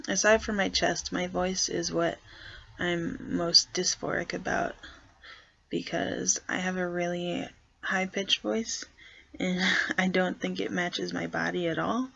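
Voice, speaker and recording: A young trans guy vlogging casually and hesitantly, deliberately pushing his voice lower as he talks. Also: level tone, vocal fry, lo-fi sound. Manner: hesitant, soft-spoken, consciously pitching voice lower. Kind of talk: casual first vlog.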